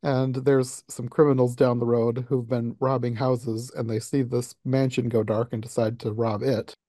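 Mellow-voiced man hosting a review podcast. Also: medium pitch, level tone, moderate pace, dry recording, studio quality. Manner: laughs often while recapping. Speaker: podcast host. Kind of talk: casual film review chat.

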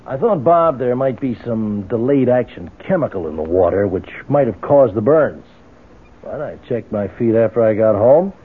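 An actor with an American accent playing a brash, blunt private investigator in a 1970s radio drama. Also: male voice, medium pitch, expressive, normal speed, husky. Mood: urgent, confident. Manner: blunt, assertive, slangy. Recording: muffled, narrow-band old radio broadcast recording.

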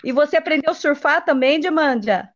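High-voiced, encouraging woman interviewer. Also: fairly quick, muffled recording. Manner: exclamatory, encouraging, talking to children. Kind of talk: casual interview chat.

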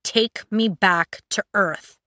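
A woman's voice: medium pitch, takes it slowly, sharp tone, no echo, studio quality. A woman voicing an indignant young male emperor in an audiobook, emphatic and exasperated. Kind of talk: audiobook character acting.

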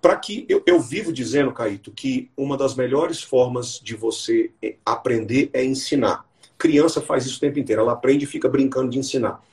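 A man who teaches English, hosting a live podcast chat and explaining his method with lively stories. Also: mid-range voice, brisk. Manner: explanatory, enthusiastic storytelling.

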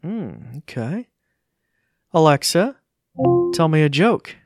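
A man's voice: on the high side, animated, slow, music in the background. A man giving a casual live tech demo, informal and hesitant, easily amused. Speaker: tech demonstrator.

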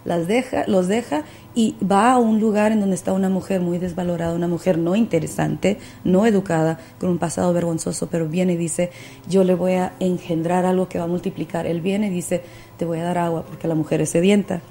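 A woman with a warm, gravelly voice speaks as a podcast guest. She tells her faith testimony with the fervor of a preacher, pausing often on fillers. A faint hiss sits under the audio. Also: lowish voice, fairly even intonation. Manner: fervent, preacher-like, with many fillers.

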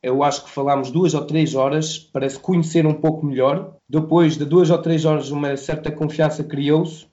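A man from Belgium, a native French speaker, talking in Portuguese with a French accent as a music producer on a radio interview, with halting starts and acted-out quotes. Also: fairly high pitch, steady tone, dark tone, lo-fi sound. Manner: halting, restarts words, acts out quoted dialogue.

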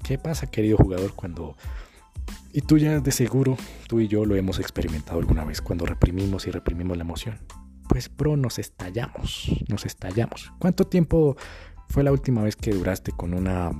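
A man's voice: on the low side, expressive, brisk, warm tone, faint music behind. A young man with a Colombian accent talking in a casual monologue as a dating coach. He is crude and slangy, and he acts out the voices he quotes. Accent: Colombian Spanish.

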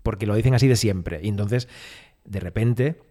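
A man's voice: lowish voice, moderate pace, mellow. A man with a Spanish accent from Spain co-hosting a podcast, explaining things and teasing in casual chat. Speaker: podcast co-host. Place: small home studio with some echo.

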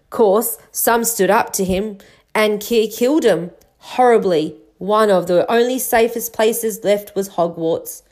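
A woman plays a big, gruff man from a children's storybook. He is kind-hearted and quick to feel things deeply. His speech is folksy and rambling, with dropped consonants. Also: a little mellow, close to an everyday voice.

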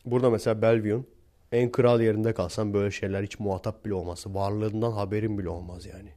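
A man's voice: on the low side, fairly even intonation, quick pace, mellow. A young man from Turkey talking blunt and slangy to his viewers, chuckling between points as he tells stories. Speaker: vlogger. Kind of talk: casual storytelling monologue to viewers.

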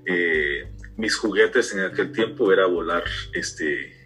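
A man in his fifties from Guatemala, an interview guest telling his story in a reflective, unhurried way. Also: sits low, sharp tone, faint music behind, rough recording. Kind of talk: casual interview talk.

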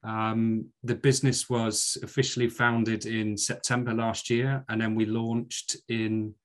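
A man's voice: on the low side, flat delivery, unhurried. A middle-aged man with a Scottish accent, speaking as a podcast guest in an earnest, hesitant way. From Scotland. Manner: earnest, with frequent fillers and restarts. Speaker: guest, commercial director. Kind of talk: podcast interview.

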